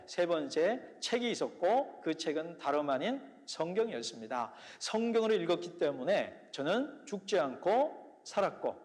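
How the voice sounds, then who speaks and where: A man preaching in a church, his slightly high voice carried by a long hall reverb. He tells his own story earnestly and often sinks into soft, hushed phrases. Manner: earnest testimony, drops to soft quiet phrases. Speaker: pastor. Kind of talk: sermon. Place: church sanctuary.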